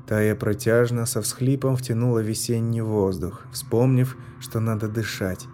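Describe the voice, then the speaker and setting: A man giving scripted narration of a dark fantasy story in a measured, tense manner. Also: on the low side, fairly even intonation, soft background music. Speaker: audiobook narrator.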